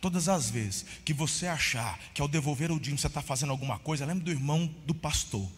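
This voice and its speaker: In a large hall, a Brazilian man preaching as pastor speaks at a quick pace in a fairly high voice. He narrates with animated ups and downs, shouting at the high points and frequently addressing listeners as brother.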